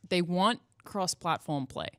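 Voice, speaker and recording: A woman's voice: lowish voice, expressive, measured pace, fairly bright tone, dry recording, clean studio sound. A woman talking casually and emphatically on a gaming show panel, giving her opinions earnestly.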